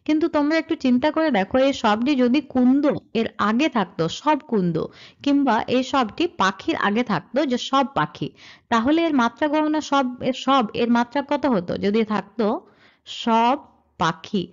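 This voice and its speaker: A woman teacher giving a patient grammar lesson, explaining verse meter step by step and often asking if it is clear. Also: high-pitched, normal speed, few pauses. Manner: patient, repeats steps and checks in with 'ঠিক আছে?'. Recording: dull lo-fi voice recording.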